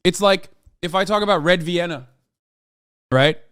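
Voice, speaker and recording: A man's voice: high voice, measured pace, fairly bright tone, clear, resonant tone, no room sound, clean studio sound. An American man streaming, reacting to a video with heated, profane ranting commentary. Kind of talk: casual livestream commentary.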